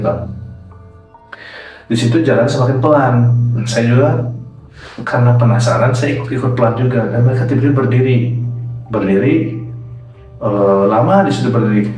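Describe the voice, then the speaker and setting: A man's voice: medium pitch, a little mellow, distant mic. A man telling a personal ghost encounter in a casual, chatty way, rambling with fillers and repeated words. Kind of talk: casual first-person horror storytelling. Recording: echoey room, set back from the mic, faint music underneath.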